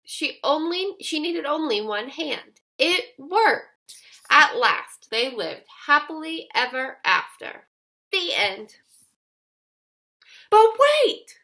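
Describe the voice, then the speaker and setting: Female storybook narrator, high and very lively in pitch, expressive scripted read-aloud for children with emphatic delivery. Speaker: storybook reader.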